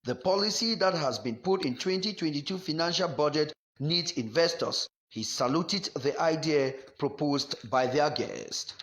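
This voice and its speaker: A man reading a scripted news report voice-over in a measured, formal way. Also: on the high side, fairly bright tone. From Cameroon.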